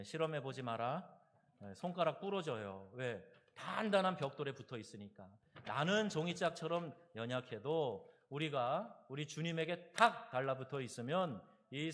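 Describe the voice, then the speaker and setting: A man in his thirties preaching a sermon as pastor, swinging between loud exhortation and quiet asides. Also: fairly high pitch. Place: church sanctuary.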